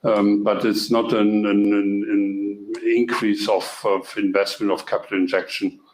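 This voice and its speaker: A man in a company executive role, explaining things haltingly to investors on an earnings call. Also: lowish voice, little pitch movement, slight background noise. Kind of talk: answering investor questions on a call. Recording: echoey conference call.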